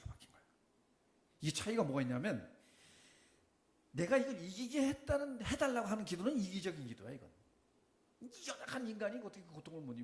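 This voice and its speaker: Animated man preaching in an echoey church. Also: sits high. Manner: animated storytelling with questions to the congregation. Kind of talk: sermon testimony.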